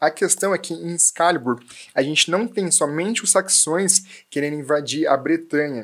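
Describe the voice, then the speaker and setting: The speaker has a Brazilian accent. Their pace is moderate. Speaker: book reviewer youtuber. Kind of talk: casual book review vlog. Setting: home recording at midnight. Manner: casual, slangy.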